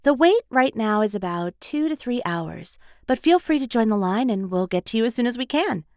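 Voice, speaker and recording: Female narrator as polite, helpful woman greeter, lifted pitch, businesslike audiobook character, dry studio recording. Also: expressive, normal speed, darkish tone, dry recording.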